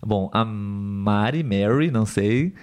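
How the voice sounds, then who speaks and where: A man with a Brazilian accent talking as the host of a language-learning live show, conversational and instructive, pausing to find words and often checking for agreement. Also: fairly low pitch. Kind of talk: conversational teaching, reading viewer comments.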